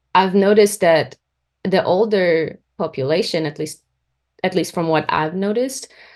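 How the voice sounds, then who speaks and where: A medium-pitched woman's voice with an Israeli accent, moderate pace, ordinary pitch variation, music in the background. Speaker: interviewee. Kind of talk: interview. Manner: halting, many fillers.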